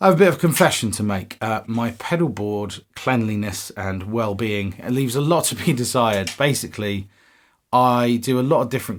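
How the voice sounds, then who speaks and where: The speaker has a British accent. The pace is moderate, with ordinary pitch variation. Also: man. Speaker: guitarist and gear reviewer. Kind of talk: casual video vlog.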